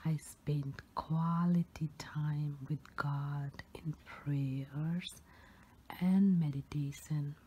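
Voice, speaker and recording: A woman softly whispering a soothing pep talk of first-person affirmations, as in an ASMR meditation, in a breathy voice. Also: sits low, steady tone, very slow, a little hiss or hum.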